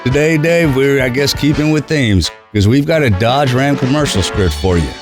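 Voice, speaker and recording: A man's voice: mid-range voice, animated, normal speed, over music. A man co-hosting a podcast in casual banter, joking and teasing as he goes. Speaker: podcast co-host, military veteran.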